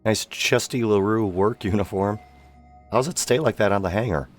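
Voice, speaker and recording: Man, low pitch, tired sick voice, casual streamer commentary, light music behind. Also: moderate pace. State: worn voice from sickness and long streaming. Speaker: streamer, amateur voice actor.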